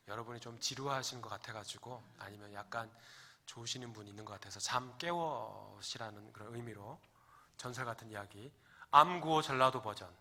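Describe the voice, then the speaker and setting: A male pastor delivers a Sunday sermon in a church sanctuary with a bright, forceful tone. He talks in a loose, conversational way, tossing questions to the congregation and slipping in jokes. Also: medium pitch.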